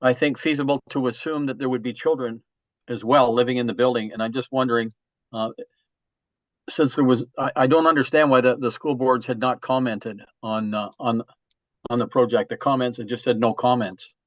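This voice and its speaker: A man, a councillor, asking a question at a meeting in a halting way, stumbling and repeating words. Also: medium pitch, fairly even intonation, dry recording. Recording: dry, slightly muffled.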